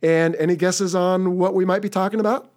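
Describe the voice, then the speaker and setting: A man's voice: high-pitched, fairly even intonation, brisk, darkish tone. An American man hosting a podcast, chatting casually and upbeat as he wraps up an episode. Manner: upbeat, chatty, wrapping up the show. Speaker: podcast host.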